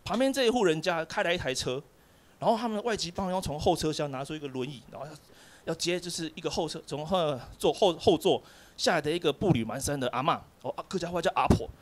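High-voiced, animated young stand-up comedian. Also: male voice, fast. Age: young adult. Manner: animated storyteller, acts out characters in shifting voices. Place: comedy club stage.

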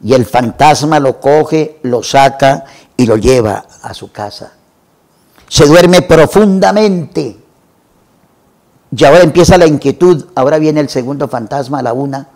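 A man retelling a classic novel for a literature program, in a measured way and lingering over lists. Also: mid-range voice, darkish tone. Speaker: literature presenter.

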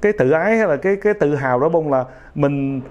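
Guy with a slightly high voice giving a chill pep talk, lots of ums and "ok?", a bit halting. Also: expressive, a little mellow, highs cut off. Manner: halting, many fillers, keeps asking "ok?". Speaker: motivational speaker addressing young viewers. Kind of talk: casual motivational talk.

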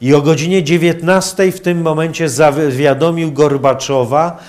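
A man giving a public lecture in a halting, hesitant manner with long pauses. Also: fairly high pitch, steady tone, darkish tone. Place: university lecture hall, indoors.

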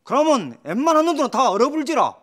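A high, lively voice plays a folksy official with a thick Jeolla accent in a period sitcom. He drawls his dialect with plenty of swing. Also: fast talker, exaggerated voice.

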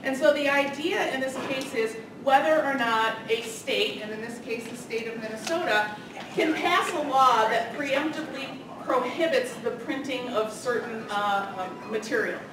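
Loud woman lecturing in an echoey room. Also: high voice, moderate pace. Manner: loud, energetic, chatty. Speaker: political science professor. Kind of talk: public lecture. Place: large carpeted meeting room, indoors. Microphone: room camera from the back. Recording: echoey room from far off, noisy.

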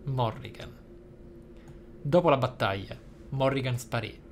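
A man's voice: mid-range voice, a little slow, a little hiss or hum. A man, a gaming host reading in-game text aloud expressively, with casual, playful asides.

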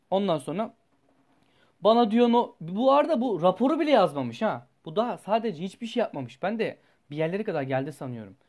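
Animated, foul-mouthed young man telling a story. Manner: animated, blunt and profane, with sudden jumps in pitch and loudness. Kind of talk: casual storytelling vlog.

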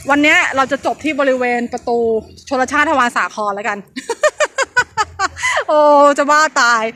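A woman vlogger talking nonstop to her viewers outdoors by a busy road and raising her voice over the traffic. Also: high-pitched. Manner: chatty nonstop talker, addresses viewers directly; talks loudly over traffic. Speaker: vlogger and local history guide. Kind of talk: casual walking vlog narration. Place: outdoors beside a busy road by an old canal. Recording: loud traffic noise outdoors. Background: passing cars.

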